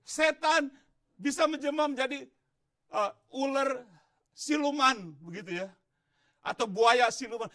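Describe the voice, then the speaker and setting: A male pastor from Indonesia preaches with a strikingly high, bright voice. His pitch leaps around constantly, and he swings between hushed asides and shouted emphasis as he works the congregation in a church. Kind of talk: sermon.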